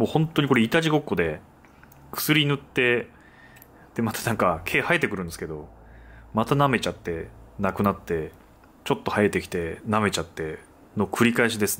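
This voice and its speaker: A man with a fairly low pitch talks at a fairly quick pace, swinging his pitch very widely and leaving long, frequent pauses. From Hokkaido, Japan (Obihiro); Hokkaido, Japan. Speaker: YouTuber; commentator. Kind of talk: casual vlog monologue. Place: home room. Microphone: studio mic.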